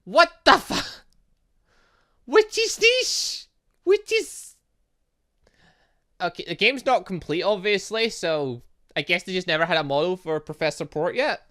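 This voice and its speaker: A man's voice: high-pitched, sing-song, a little slow, pauses often, bright, forceful tone. A man hosting a casual let's-play, rambling with joking asides and stumbling a little as he reads game text aloud. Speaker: gaming channel host.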